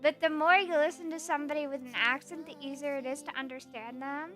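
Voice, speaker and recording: Bright, high-voiced playful woman streamer. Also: fairly even intonation, fast. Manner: playful, rambling, teasing. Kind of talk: casual chat reading stream chat. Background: soft background music.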